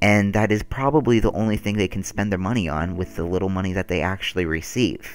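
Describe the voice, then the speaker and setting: Music plays in the background behind a man with a very deep, low pitch. His pitch variation is ordinary. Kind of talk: personal commentary monologue.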